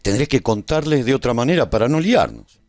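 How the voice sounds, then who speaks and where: A man's voice: medium pitch, big pitch swings, a little fast, darkish tone, no room sound, studio quality, natural voice. An actor playing a male resistance veteran who narrates a post-apocalyptic war in a scripted radio serial. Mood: matter-of-fact.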